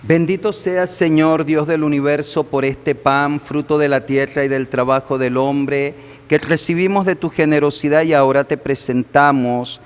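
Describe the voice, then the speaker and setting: A man preaching and praying as a Catholic priest at Mass, in a solemn, measured way. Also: a little high, steady tone, clear, resonant tone. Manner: solemn, measured, deliberate phrasing. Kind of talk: sermon and liturgical prayer. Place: large echoing church. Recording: long reverberant church echo.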